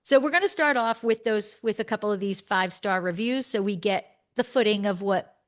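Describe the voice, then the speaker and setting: A chatty woman with a New Jersey accent hosts a relaxed podcast conversation. She reads reviews aloud haltingly, with plenty of laughs and a middle-pitched voice. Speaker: podcast host. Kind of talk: casual chat reading out reviews.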